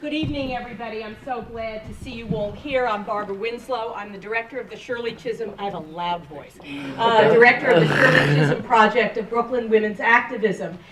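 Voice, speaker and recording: Woman, professor, emphatic campus speech, slightly high voice, echoey hall, distant mic. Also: brisk, background noise. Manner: emphatic, rallying delivery with lists. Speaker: professor and project director. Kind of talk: public speech at a campus event. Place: large lecture hall.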